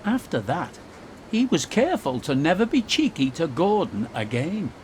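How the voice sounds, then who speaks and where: A man's voice: on the high side, very animated, moderate pace, darkish tone, a little hiss or hum. A man narrating a scripted children's story as its storyteller.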